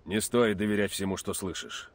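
An actor playing a grim, weathered male assassin mentor in a game dub, speaking slowly and gravely. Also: on the low side, close to an everyday voice. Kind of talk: Russian game dub acting.

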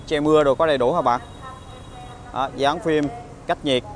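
A man with a southern Vietnamese accent giving an informal used car salesman's walkaround pitch, halting often with hesitations and tag words. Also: steady tone. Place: outdoor car lot, partly inside a car. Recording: outdoor phone recording with traffic ambience.

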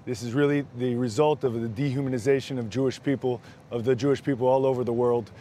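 A man's voice: medium pitch, fairly even intonation, fast, mellow. An American man in his forties giving assertive commentary as a guest in a live interview. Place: outdoor terrace in a city. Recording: outdoor broadcast, faint noise.

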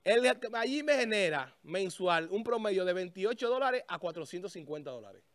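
A man's voice: high-pitched, very animated, moderate pace, fairly bright tone, dry recording. A man hosting a casual studio chat, thinking aloud as he searches a website. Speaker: show host. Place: small studio with a festive desk. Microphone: studio mic on a stand.

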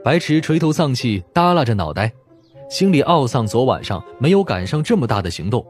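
Male audiobook narrator with lively intonation. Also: medium pitch, brisk, soft background music. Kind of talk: scripted narration of a mystery novel.

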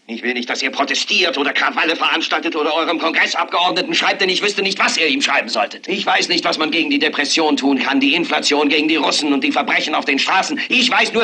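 Brief: a furious TV anchor, high bright voice, raspy, impassioned. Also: male voice, heavily acted. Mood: urgent, rising. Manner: impassioned, building to a shouted rant. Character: fed-up male TV news anchor ranting on air. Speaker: dubbing actor. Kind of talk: dubbed film acting.

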